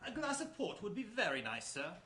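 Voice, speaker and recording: A man acts out a cautious gentleman doctor in a radio mystery. His voice is high for a man and bounces up and down. He is hesitant, fussy and avuncular, always polite. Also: huge pitch swings, brisk, exaggerated voice. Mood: genial. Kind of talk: radio mystery drama acting.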